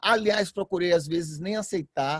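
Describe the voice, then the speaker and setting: Speaking at a moderate pace, a man with a high voice and ordinary pitch variation is heard in a dry, close sound with no echo. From Bahia, Brazil. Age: 50s. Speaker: actor, comedian, voice actor. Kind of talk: interview answer. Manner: reflective, hesitant.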